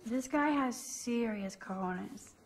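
A woman's voice: a little high, takes it slowly, faint music behind. A young woman voicing an observant teenage student in a video game, with dry, wry musings.

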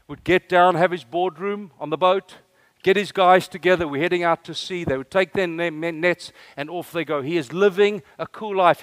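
A man from South Africa with an Afrikaans accent, preaching an animated sermon and asking the room questions. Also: on the high side, no echo. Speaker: guest preacher.

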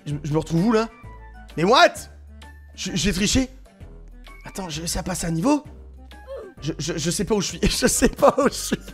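French gamer guy, high voice, yelps and laughs through his game, faint music behind. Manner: animated, exclaiming and laughing often. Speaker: gaming YouTuber. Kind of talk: excited gameplay commentary.

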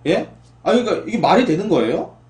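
Young guy streamer ranting back at chat, voice jumps all over, kinda high, echoey room. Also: sing-song, fairly quick, darkish tone. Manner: talks back to chat, rising into exasperated outbursts. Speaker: live streamer. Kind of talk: casual live-stream chat.

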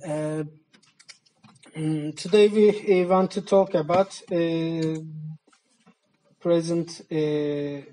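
A man from Turkey, a native Armenian speaker, introducing the speakers at a meeting in slow English with many fillers. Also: fairly high pitch, steady tone, dark tone, poor audio. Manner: slow, halting speech with many fillers and shy laughs. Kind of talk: event introduction. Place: meeting hall.

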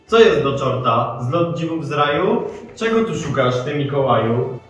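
A man's voice: medium pitch, lively intonation, normal speed, a bit bright, dull audio, close to an everyday voice. A young man playing a scheming devil in a school nativity play, taunting in rhymed verse. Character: scheming male devil who spoils Christmas. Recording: echoey hall from far off, music.

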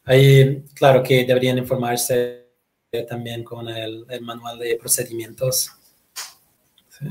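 A man in his thirties, a native Portuguese speaker, fields questions on a video call at a medium pitch. He talks haltingly, repeating words and tacking short tag questions onto his phrases. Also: completely flat delivery, darkish tone. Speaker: guest presenter. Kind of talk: webinar Q&A answers. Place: home room, indoors.

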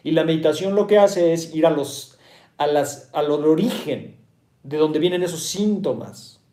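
A man with a Mexican Spanish accent teaches meditation to his listeners, asking rhetorical questions and rephrasing each point several times. His voice sits high and has a mellow, dark tone. The room around him is echoey. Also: normal speed. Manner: repeats and rephrases key points. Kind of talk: explanatory talk to listeners.

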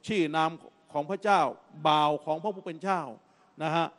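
Middle-aged male political speaker, high-pitched, forceful lecturing delivery. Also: steady tone, moderate pace. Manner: emphatic, lecturing with frequent particles. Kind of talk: impassioned political talk.

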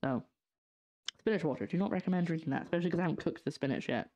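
A woman's voice: fairly low pitch, racing, mellow, a little hiss or hum. A young woman from northeast Scotland with a light Scottish accent and a slight lisp from a brace, chatting jokily to her stream while cooking in her home kitchen. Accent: light Scottish, partly English-sounding. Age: young adult. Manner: chatty, jokey, sarcastic asides to chat. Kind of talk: casual live-stream chat while cooking.

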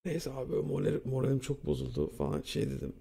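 A young man casually telling a school story, animated and profane, acting out what people said. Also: mid-range voice, fairly quick, vocal fry, breathy edge. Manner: animated, profane, acts out quotes. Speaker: streamer.

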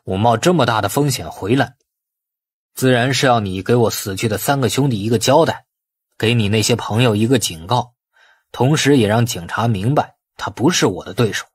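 A man voicing a cold, menacing killer with an icy, deliberate, threatening delivery in an audiobook. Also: mid-range voice, breathy edge, no room sound, clean studio sound, lightly acted. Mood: cold menace. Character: cold, menacing male killer bent on revenge.

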